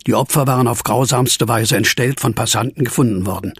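A man acting in a German audio drama as an earnest, troubled former asylum inmate with a husky, gravelly voice. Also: medium pitch, a little fast, dry recording, clean studio sound, lightly acted. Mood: haunted narration.

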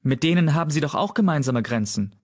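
A man's voice: on the high side, lively intonation, quick pace, pitched above the performer's own voice. A man voicing a bold, curious young female kitten in an audiobook. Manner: bold questioning.

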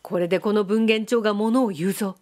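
A woman's voice: medium pitch, steady tone, quick pace, a little mellow, close to an everyday voice. Young samurai man, earnest, firm, voiced by a woman reader, audiobook. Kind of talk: audiobook reading.

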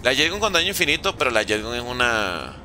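A man's voice: mid-range voice, big pitch swings, fast, sharp tone, slight background noise. A man streaming live gameplay, commenting and joking playfully with chat while using Mexican slang. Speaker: gaming streamer.

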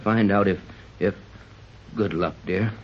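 An actor playing a calm, reassuring male sea captain in a 1930s radio drama. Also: low-pitched, slow pace. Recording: dull old 1930s radio recording.

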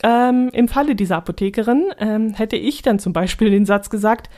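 A woman talks alone into her podcast mic in an easy, casual way. She digresses freely and laughs at her own jokes. Her voice sits at a middle pitch. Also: normal speed, darkish tone. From Allgäu, Germany. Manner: chatty, digressive, laughs often. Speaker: podcast host. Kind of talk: casual solo podcast monologue.

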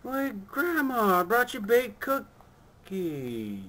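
A man voicing a sassy, deadpan young Red Riding Hood in an improvised puppet comedy skit. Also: extremely high pitch, slow pace, pitched above the performer's own voice, exaggerated voice. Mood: innocent, skeptical. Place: small room at home. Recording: noisy home camera audio.

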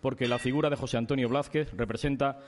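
Man, middle-aged, formal ceremonial speech, measured solemn delivery, podium mic, long hall reverb. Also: medium pitch, fairly even intonation, slight background noise. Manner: measured, solemn oratory with lists of phrases. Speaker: speaker at a club awards ceremony. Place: large indoor reception hall. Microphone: podium microphone.

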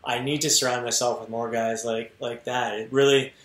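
Sitting indoors in a home room with bookshelves, a thirtysomething fitness podcast co-host talks on a video call through an earbud mic, earnest and casually cursing. His voice is medium-pitched and fairly bright, with little pitch movement at a normal speed, and the room is echoey.

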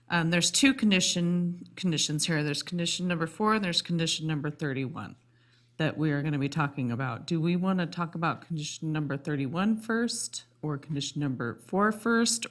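A woman with a low voice chairs a public meeting. She talks informally and procedurally, checking with the others and feeling her way toward a decision. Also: brisk, fairly bright tone. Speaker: planning commission meeting chair.

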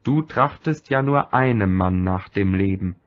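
A man's voice: low-pitched, animated, a little slow, voice pushed down. Cunning male adviser, matter-of-fact, calculating, man reading, muffled sound. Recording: dull lo-fi recording.

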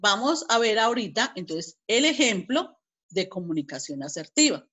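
A woman's voice: medium pitch, sing-song, normal speed, fairly bright tone, slightly rough. A woman with a Colombian Spanish accent teaching an online class, explaining step by step with frequent restarts and repeated words. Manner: reads example dialogues aloud with emphasis.

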